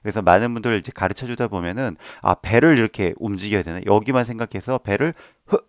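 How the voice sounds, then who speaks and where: A man's voice: on the low side, fast, no room sound, studio quality. A man teaching a voice lesson, patiently explaining each step and demonstrating the sounds himself. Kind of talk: instructional voice lesson.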